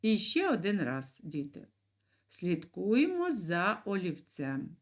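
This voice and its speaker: A woman teaching young children in a video lesson, speaking clearly and encouragingly with sing-song emphasis. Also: on the low side, huge pitch swings, takes it slowly. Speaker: primary school teacher.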